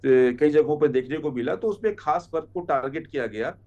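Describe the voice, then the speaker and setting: A man commenting as a debate guest in formal, halting, carefully qualified phrases. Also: a little high, warm tone, dull audio. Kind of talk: measured political analysis in a TV debate.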